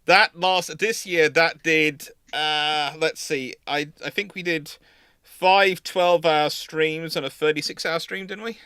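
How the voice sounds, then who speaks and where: Bright-voiced man hosting a halting livestream chat. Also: fairly high pitch, steady tone, smooth, dry recording, studio quality. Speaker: host of a naval history livestream. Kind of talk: casual live question-and-answer chat.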